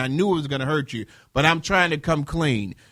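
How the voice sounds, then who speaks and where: A loud man's voice, bright and sharp in tone, animated, at a very fast pace. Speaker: radio talk show host. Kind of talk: call-in radio talk show.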